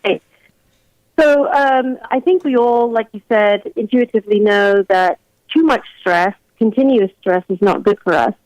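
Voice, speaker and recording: A woman from London with an English accent, a doctor giving measured, reflective explanations as a remote radio interview guest. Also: medium pitch, a little mellow, dry recording. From London, England. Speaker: guest family physician. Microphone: remote call-in line. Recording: dull, lo-fi phone-in line.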